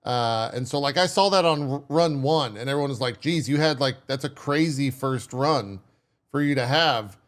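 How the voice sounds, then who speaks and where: A man with a middle-pitched, ordinary voice tells a story about his playthrough in an unhurried way. He often mocks his own luck as he goes. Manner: measured, storytelling with self-deprecating asides. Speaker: podcast co-host. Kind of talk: casual gaming podcast chat.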